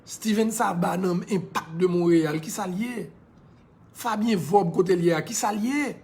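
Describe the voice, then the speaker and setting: A man's voice: high voice, a little slow, a little mellow. A man with a Haitian accent giving an impassioned, preachy monologue in a casual live video, now and then slipping into English phrases. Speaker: social media personality.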